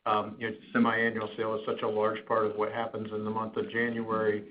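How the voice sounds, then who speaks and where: A male finance executive talks through a business outlook in a flat, fairly low voice. His phrasing is careful and halting. The conference line is dull, with faint background noise. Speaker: company finance executive on an earnings call. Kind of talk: business outlook commentary, partly prepared. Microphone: conference call line. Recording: noisy, muffled conference call.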